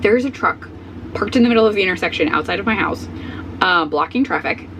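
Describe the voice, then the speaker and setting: Slightly hoarse woman, gravelly chatty vlogger. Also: mid-range voice, lively intonation, quick pace. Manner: rambling, filler-heavy, self-correcting. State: slightly hoarse, voice coming back. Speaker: book vlogger. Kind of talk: casual chat. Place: at home, traffic noise outside. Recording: faint outdoor truck noise.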